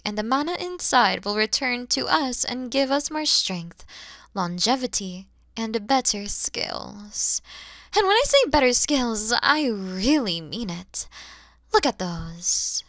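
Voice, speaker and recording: A woman voicing a huge, kind, motherly dragon who is proud and teasing, in an ASMR roleplay, explaining things gently and patiently. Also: fairly high pitch, no room sound, studio quality, full character voice. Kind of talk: ASMR audio roleplay addressed to the listener.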